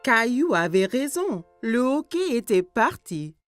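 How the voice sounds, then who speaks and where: A woman playing the warm narrator of a children's cartoon, telling the story in an expressive storybook style. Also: on the high side, a little slow. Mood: storytelling. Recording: music behind.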